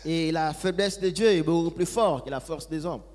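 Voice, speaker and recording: Male sermon interpreter, fairly high voice, follows phrase by phrase, echoey hall. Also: moderate pace, darkish tone. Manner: follows each phrase closely, with occasional hesitations.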